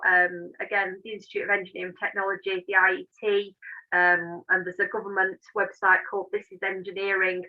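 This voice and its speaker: Here the guest is a female engineer and managing director, speaking with a mid-range voice through narrow, tinny audio. She explains and advises informally, with emphasis and encouragement.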